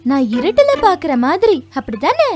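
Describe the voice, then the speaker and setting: A woman voicing a boastful, playful young kitten with a childlike, animated manner in a children's cartoon. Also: very high voice, normal speed, over loud music. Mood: proud.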